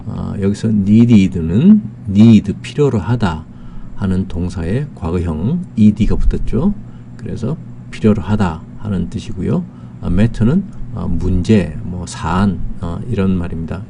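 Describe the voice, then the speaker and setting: Low gravelly man explaining slowly. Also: warm tone, a little hiss or hum. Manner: slow and explanatory, with many filler sounds, reads English examples slowly. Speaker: English teacher. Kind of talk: recorded grammar lesson.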